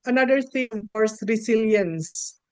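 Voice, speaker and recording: A woman addresses a training session as a mayor over a video call, her speech halting and formal. Her audio keeps dropping in and out from a bad connection, yet the sound is dry and close, with no room echo. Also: fairly high pitch, warm tone, clean tone. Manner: halting, formal, hesitant phrasing. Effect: audio cutting in and out from a bad connection. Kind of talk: sharing experience on a video call.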